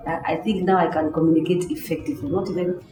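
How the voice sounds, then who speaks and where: A woman's voice: fairly low pitch, steady tone, quick pace, dark tone. A woman giving testimony as a participant in a documentary interview. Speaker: training participant. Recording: echoey room, faint music.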